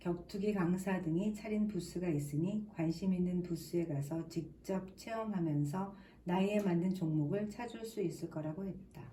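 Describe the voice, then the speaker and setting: A woman of medium pitch talks at a fairly slow pace with ordinary pitch variation, with noticeable background noise behind her. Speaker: audiobook reader (grandmother reading books aloud). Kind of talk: sleep-inducing book reading. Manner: soft, calm, slow.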